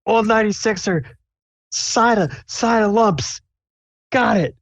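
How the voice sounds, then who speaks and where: Man doing a chatty high tavern waitress. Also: slow pace, full character voice. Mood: calling out. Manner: chatty, calls orders to the kitchen. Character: brisk, cheerful woman tavern server.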